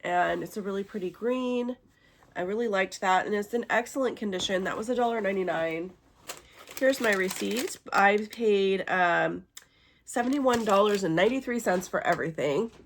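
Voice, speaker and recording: Raspy, hoarse lady chatting about her haul, kinda gravelly, lots of ums. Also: medium pitch, normal speed, slight background noise. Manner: chatty, with fillers and small laughs. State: hoarse from illness. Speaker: vlogger showing a thrift haul. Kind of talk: casual chat.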